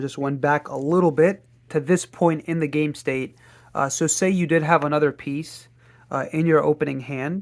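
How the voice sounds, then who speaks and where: Someone mumbles at a moderate pace on a very clean recording with a silent background. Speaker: card game content creator. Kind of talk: tutorial. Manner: mumbling; halting, many fillers.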